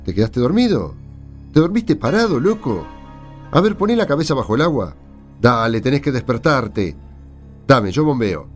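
A man's voice: mid-range voice, big pitch swings, moderate pace, soft background music, lightly acted. An actor playing a sleepless, impatient Argentine man cramming for an exam in a radio drama, with a blunt colloquial manner. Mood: brisk, prodding.

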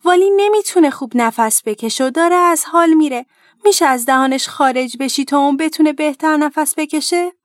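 A woman's voice: high-pitched, dry recording, clean studio sound, pitched above the performer's own voice, natural voice. A woman voicing a small, eager fish who anxiously calls out for help, in a children's storybook tale. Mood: urgent worried. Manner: anxious, calling out loudly. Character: little friendly fish, eager helper.

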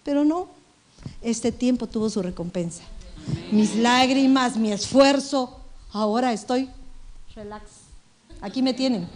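A middle-aged woman pastor, preaching a lively sermon straight to the congregation. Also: on the high side, unhurried, long pauses.

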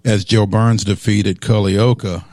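A man co-hosting a local sports radio show, easygoing and unhurried, with plenty of ums. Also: fairly low pitch, fairly even intonation, a little mellow, dry recording, clean studio sound. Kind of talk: casual sports talk radio.

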